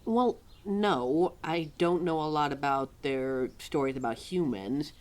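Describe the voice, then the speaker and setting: Girl acting as a rambly lore keeper lady, slow talker, kinda indignant, chats to herself, audio roleplay. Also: low voice. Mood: helpful, chatty. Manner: rambling, talks to self, animated, sighing. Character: chatty, indignant woman keeper of forgotten supernatural lore. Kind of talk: ad-libbed audio roleplay, addressed to a listener.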